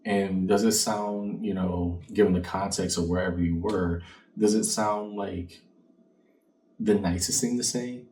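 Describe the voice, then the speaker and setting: A man's voice: low voice, fairly even intonation, a little slow, darkish tone. A man giving a conversational fortune-teller card reading, reflective and speaking straight to the listener with rhetorical questions. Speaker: tarot card reader, channel host. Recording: distant mic, faint background noise.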